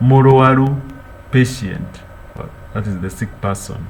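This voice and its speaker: Medium-pitched male speech, ordinary in its pitch variation, set in audible room echo. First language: Kikuyu. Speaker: language teacher. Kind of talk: tutorial. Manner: slow, repeating each word.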